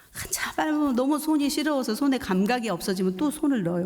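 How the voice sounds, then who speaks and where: A woman speaks at a moderate pace with a somewhat breathy voice and lively intonation. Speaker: pastor. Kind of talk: sermon.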